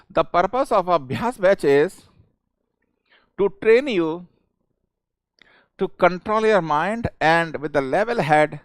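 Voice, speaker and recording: A man's voice: a little high, no echo. A man with a South Indian accent teaching a live online class, informal and coaxing, often repeating his questions and phrases insistently. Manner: chuckling, informal, coaxing students. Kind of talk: live interactive exam-prep lecture.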